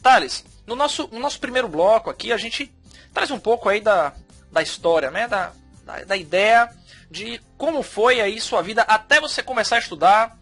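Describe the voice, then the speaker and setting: Bright, high-voiced enthusiastic male host. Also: expressive, normal speed, soft background music. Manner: enthusiastic, emphatic. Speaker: podcast host. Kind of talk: podcast hosting and interviewing.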